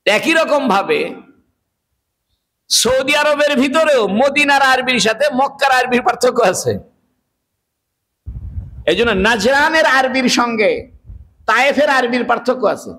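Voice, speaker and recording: A man with a notably high voice delivers a sermon. He explains his points earnestly, step by step, and pauses for rhetorical questions to the congregation. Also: expressive, pushed and bright. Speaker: Islamic preacher.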